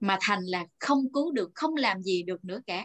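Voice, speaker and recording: The pitch swings very widely at a moderate pace. The sound is dry and close, with no echo. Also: woman. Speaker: event moderator. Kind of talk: event hosting. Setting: video call.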